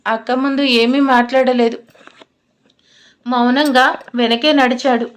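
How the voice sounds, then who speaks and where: A woman's voice: sits high, fairly even intonation, takes it slowly. A woman narrating a romantic drama audiobook, reading every character in much the same voice.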